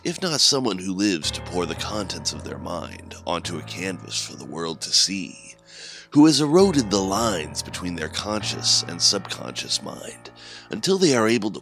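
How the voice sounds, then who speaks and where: A man performs an ominous host of a mysterious otherworldly signal, very deep and bright-edged, with lively swoops in pitch. His horror narration is theatrical and portentous, set over music. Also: full character voice. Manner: portentous, ornate, deliberate phrasing. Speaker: host of a horror anthology podcast. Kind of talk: scripted dramatic horror narration. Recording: music under the voice.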